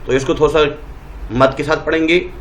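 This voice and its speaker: A male teacher with a Pakistani Urdu accent, giving a Quran reading lesson and drawing out each letter name slowly to show how it is said. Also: on the high side, fairly even intonation, a little hiss or hum, rough recording. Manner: draws out letter names slowly, modelling pronunciation.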